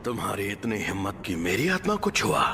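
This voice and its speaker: Guy doing a proud demon king, low and threatening, heavy noise all over the track. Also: very animated, a little fast. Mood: outraged. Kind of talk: anime fan dub. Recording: loud noise behind voice.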